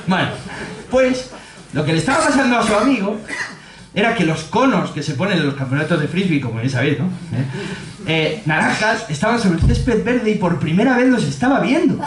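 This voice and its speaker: A man with a Spanish accent giving a humorous talk in a pub, laughing often and acting out quotes in a high voice. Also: echoey room. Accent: Spanish from Spain. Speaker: speaker giving a public talk. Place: pub with an audience.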